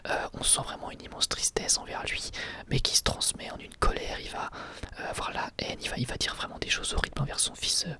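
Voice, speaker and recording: A man giving a whispered ASMR review of an episode, hesitant, with many fillers and restarts. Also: fairly quick.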